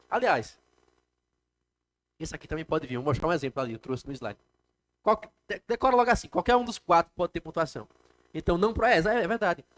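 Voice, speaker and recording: Brazilian man lecturing a class. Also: sits high. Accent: Brazilian Portuguese. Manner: explains step by step, asks the class questions. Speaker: teacher. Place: classroom with students.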